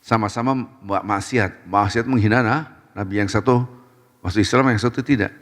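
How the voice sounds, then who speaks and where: A low-voiced male preacher gives a short sermon in a mosque, with his words ringing on in the long reverb of the hall. He tells stories with lively energy, acting out the people in them. Arabic devotional phrases run through his talk. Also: normal speed.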